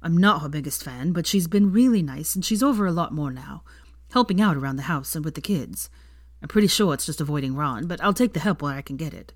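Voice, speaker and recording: A woman reading the lines of a young man who is a tired, blunt father, speaking in a low, muttered, weary way. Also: expressive, fairly quick, no echo, studio quality.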